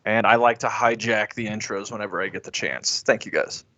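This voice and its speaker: A man's voice: on the low side, brisk, sharp tone, no room sound, lo-fi sound. A man chatting playfully and casually as a player on a tabletop game podcast. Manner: playful, jokey. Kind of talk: casual chat.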